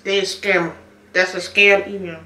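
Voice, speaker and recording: A woman's voice: mid-range voice, flat delivery, normal speed, pushed and bright. Chatty woman vlogger in echoey room. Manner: chatty, storytelling, laughs often. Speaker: mukbang vlogger. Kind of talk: casual chat while eating.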